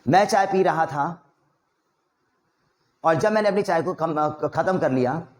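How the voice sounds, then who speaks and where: A man with an Indian accent teaching a spoken English lesson, mixing Hindi with English and coaxing learners through rapid drills. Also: fairly high pitch. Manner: energetic, coaxing drill instructor.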